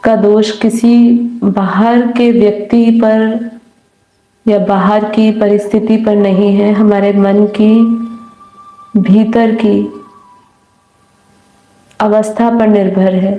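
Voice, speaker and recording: A woman guiding a meditation in a soothing, unhurried manner with long pauses. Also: medium pitch, flat delivery, mellow. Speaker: meditation guide. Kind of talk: guided meditation, slow calm instruction. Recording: roomy echo. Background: faint music.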